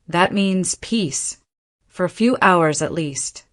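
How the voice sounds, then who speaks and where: Storybook quotes: a woman doing a frail, weeping older man, unhurried and low-pitched. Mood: weary. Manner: soft, tearful delivery. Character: grieving older man, ill and shaken.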